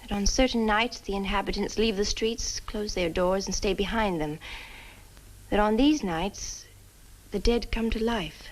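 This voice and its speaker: A woman's voice: mid-range voice, unhurried, natural voice, rough recording. A young actress playing an earnest, uneasy village woman in an old horror film. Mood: uneasy, grave. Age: young adult. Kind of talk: 1960 horror film acting.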